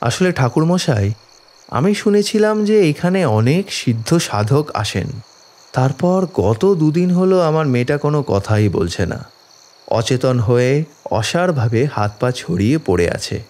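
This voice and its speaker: A man's voice: mid-range voice, expressive, a little slow, a little mellow, close to an everyday voice. A man playing a distraught village father in an audio horror story, pleading tearfully and deferentially for his afflicted daughter. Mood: anguished, pleading. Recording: background music under the voice. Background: dramatic music.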